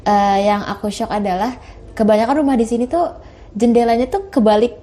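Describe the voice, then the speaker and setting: A woman's voice: fairly high pitch, fairly quick, dark tone. A young woman, a university student, chatting casually as a podcast guest and laughing through her stories. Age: young adult. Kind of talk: casual chat.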